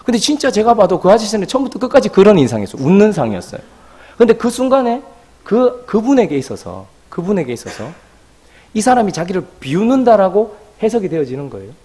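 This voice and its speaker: A man's voice: sits high, fast, husky. A man preaching a sermon as pastor, telling a story and acting out the voices of people in it. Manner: animated, acts out quoted voices.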